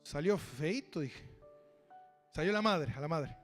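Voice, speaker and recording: A male pastor with an Argentine Spanish accent, preaching a sermon with personal stories, shifting between loud and soft. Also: a little high, expressive, measured pace, soft background music.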